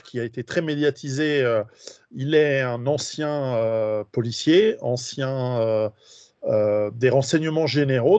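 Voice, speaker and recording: A man hosting an interview, introducing his guest with frequent hesitations and filler sounds between quick bursts of speech. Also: mid-range voice, darkish tone, dry recording. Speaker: host. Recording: dry, dull lo-fi sound.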